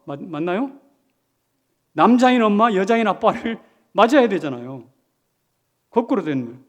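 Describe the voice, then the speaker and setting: High-voiced man preaching emphatically. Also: animated, normal speed. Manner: emphatic, asks the congregation questions. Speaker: senior pastor. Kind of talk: sermon. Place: church sanctuary.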